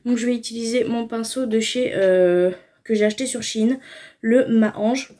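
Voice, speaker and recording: Young woman, makeup tutorial, chatty, fairly high voice, mellow warm tone. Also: normal speed. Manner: chatty, explains each step, many fillers. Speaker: beauty vlogger.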